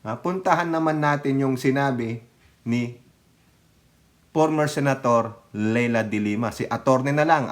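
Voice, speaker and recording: A man giving casual political commentary as a vlogger, sarcastic and mocking, laughing often and speaking straight to his viewers. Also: mid-range voice. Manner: addresses viewers directly as countrymen.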